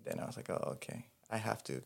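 A man in his thirties from Venezuela, a podcast guest speaking thoughtfully and unhurriedly. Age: 30s. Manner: thoughtful, unhurried, with pauses and fillers. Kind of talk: casual chat.

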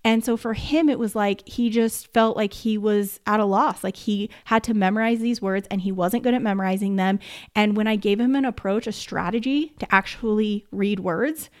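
In a podcast monologue, a woman who teaches first grade chats emphatically and casually, leaning heavily on "like." She speaks at normal speed in a mid-range voice.

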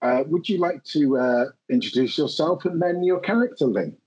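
A man's voice: on the high side, expressive, moderate pace, a little mellow, slightly rough, muffled recording. A man running a tabletop game as game master, hesitant and full of ums as he sets the scene. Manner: hesitant, many ums and uhs.

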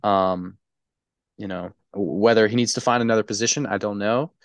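A congested man co-hosting a sports podcast, talking in a halting way full of restarts and stutters. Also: on the low side, steady tone, no room sound. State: congested, stuffy. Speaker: podcast co-host. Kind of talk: casual sports chat.

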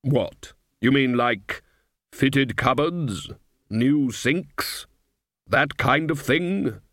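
A man voicing Death, a calm, solemn male personification of death who speaks tersely and politely. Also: mid-range voice, very slow, no room sound, studio quality.

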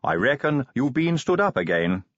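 A man voicing a cheerful, zealous preacher-constable who speaks slowly and piously. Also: mid-range voice, sing-song, no echo, muffled recording, pitched above the performer's own voice, close to an everyday voice. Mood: earnest.

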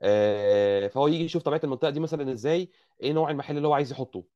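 A man's voice: mid-range voice, racing, darkish tone. A man with an Egyptian Arabic accent, a guest engineer explaining at length in an interview, often restarting his words. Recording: muffled lo-fi audio.

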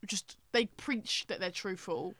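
A woman's voice: mid-range voice, slow, a bit bright, dry recording, studio quality. A young woman hosting a podcast, blunt and outspoken, reading out would-you-rather questions. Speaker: podcast host. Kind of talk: casual chat.

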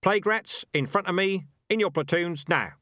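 A man voicing a tough, lean male rat sergeant in a storybook, brisk, wary and commanding. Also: medium pitch, big pitch swings, a bit bright, no echo, studio quality, pitched above the performer's own voice.

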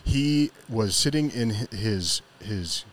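Low-voiced man hosting, some background noise. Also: expressive, takes it slowly. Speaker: podcast host. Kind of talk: casual chat. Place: on location at an eatery.

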